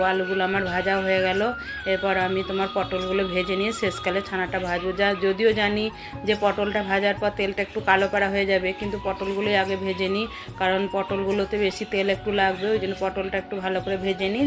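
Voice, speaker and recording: A middle-aged woman with a West Bengal Bengali accent narrates a homely vlog in a chatty way, speaking straight to her viewers. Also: mid-range voice. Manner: chatty, addresses viewers directly as friends. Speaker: homemaker and vlogger. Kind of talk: casual vlog voice-over narrating cooking and household routine. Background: music.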